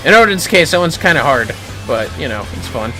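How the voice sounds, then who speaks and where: A man's voice: fairly high pitch, sing-song, brisk, pushed and bright, soft background music, poor audio. A man chatting casually and bluntly, with swearing, while he plays a game on a livestream. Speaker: livestream gamer. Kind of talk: casual chat while playing an online game.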